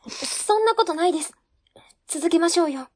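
A woman's voice: very high voice, animated, normal speed, darkish tone. A woman playing an earnest, determined young office worker in a radio drama. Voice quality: earnest and pleading. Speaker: ward office staffer. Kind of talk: amateur web radio drama acting.

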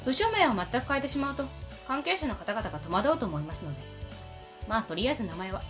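A woman plays a middle-aged female district chief with authority and composure. Her voice sits fairly high and moves with lively intonation, politely commanding in radio drama style, faint music behind. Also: fast. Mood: composed, official. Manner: formal, commanding, crisp politeness. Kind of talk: amateur web radio drama acting.

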